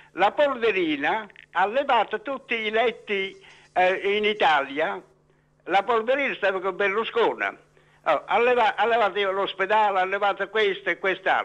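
Against a quiet background, a man with a high-pitched voice speaks with long, frequent pauses. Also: ordinary pitch variation, moderate pace. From Italy, Lazio. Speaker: caller; talk show guest. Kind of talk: phone-in rambling. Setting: phone call. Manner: halting. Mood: animated, rambling, amused. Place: studio. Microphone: lapel.

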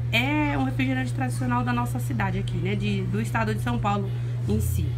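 Music can be heard in the background. Over it, a woman talks very fast. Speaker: small shop owner vlogger. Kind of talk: casual vlog chat. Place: shop. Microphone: phone near.

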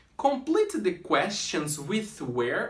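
Echo from the room can be heard. The man talks very slowly. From Brazil. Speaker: English teacher. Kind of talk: recorded online lesson for children. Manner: casual, friendly teacher talk.

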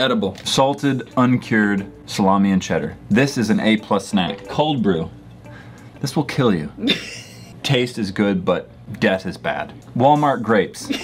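Long, frequent pauses break up speech with lively intonation as music plays in the background. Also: man, fairly low pitch for a man, fairly slow pace. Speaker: vlog host. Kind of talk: casual vlog chat. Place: office. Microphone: lapel.

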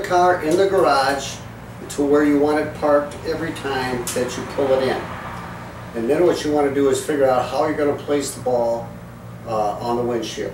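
There is noticeable background noise. A man speaks with ordinary pitch variation. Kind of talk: tutorial. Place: garage. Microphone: camera far.

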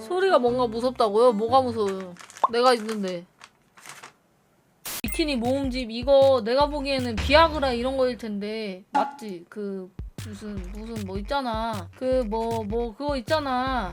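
A woman with a Chungcheong accent, fairly high in pitch, at a fairly slow pace, with ordinary pitch variation and big swings in loudness. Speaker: livestreamer. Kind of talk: casual livestream talk.

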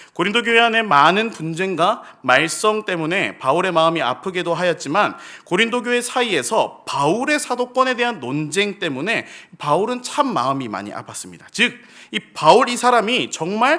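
A man projects a raised voice at a high pitch, bright and sharp in tone, with very wide pitch swings at a moderate pace. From South Korea, Gyeongsang province. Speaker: pastor. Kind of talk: sermon.

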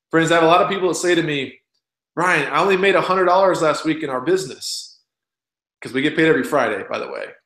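In an American accent, a man speaks very fast with a high pitch, a bright, sharp tone and ordinary pitch variation. The background is quiet, though audible room echo can be heard. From Texas. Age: 30s. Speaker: network marketing presenter; presenter. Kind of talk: sales pitch. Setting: video call. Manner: casual. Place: home room. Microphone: webcam.

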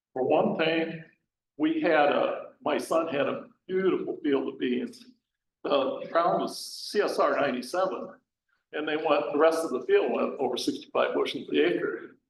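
A man with an American accent speaks at a moderate pace, with audible room echo. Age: 80s+. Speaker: farmer speaking at public hearing. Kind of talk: public comment at county hearing. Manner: halting, many fillers.

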